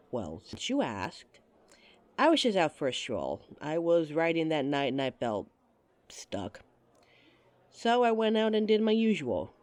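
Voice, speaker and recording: A playful woman speaks straight to the listener in a scripted roleplay, teasing and often laughing. Her pitch swings up and down with a lot of life. She is recorded close on a dry, dead mic. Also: darkish tone, dry recording. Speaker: audio roleplay performer.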